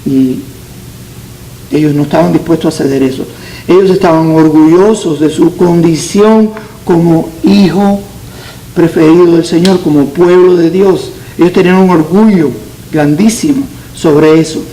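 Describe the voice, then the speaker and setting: A Cuban-born man teaching a Bible class as pastor, his voice mellow and a little high for a man. He talks in earnest and repeats key lines for weight. A faint hiss sits under the recording. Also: measured pace, poor audio. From Cuba. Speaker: pastor teaching Sunday school.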